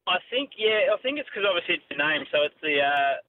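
Fast-talking Australian man on a phone line. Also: high-pitched, sing-song, dry recording. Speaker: radio phone-in caller. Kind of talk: casual anecdote. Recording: tinny phone line, faint noise.

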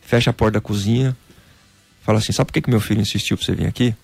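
A man from Brazil, a former footballer, telling a personal faith story in a casual interview, animated and peppered with "cara". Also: lowish voice, rapid-fire, gravelly, husky, no echo.

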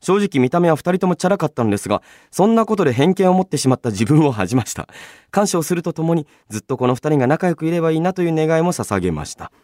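A man hosting a casual solo radio show, chatting and reading out listener mail in a polite but chatty, animated way. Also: on the high side, racing, dry recording, clean studio sound. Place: radio studio, dry sound.

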